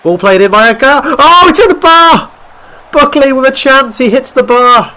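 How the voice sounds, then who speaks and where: A man with a stuffy nose from a cold, calling football game highlights as play-by-play commentary and getting excited at near misses. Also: normal speed. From Wales. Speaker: gaming YouTuber.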